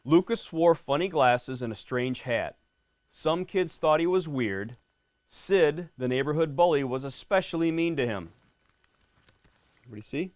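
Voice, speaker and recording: In clean studio sound with no room noise, a middle-aged police lieutenant speaks at normal speed in a slightly high, darkish voice with lively intonation. He reads a picture book to a class in a friendly manner, regularly quizzing the kids and asking "right?"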